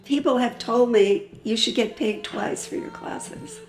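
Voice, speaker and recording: A middle-aged woman, a flamenco teacher, speaking reflectively in an interview with pauses and fillers. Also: a little high, wildly swooping pitch. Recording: roomy sound, music faintly behind.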